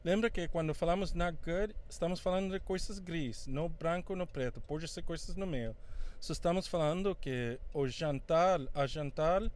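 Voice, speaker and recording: In this bilingual English lesson, a fairly high-pitched male teacher whose native tongue is English teaches in Portuguese. He alternates between the languages, his speech halting and full of fillers.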